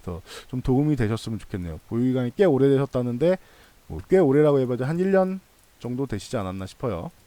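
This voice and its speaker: With a very animated, quick delivery, a man hosts a stock analysis channel and explains things to viewers in a casual, reassuring, conversational style, going over points again for emphasis. His mid-range voice is warm in tone, with no room sound.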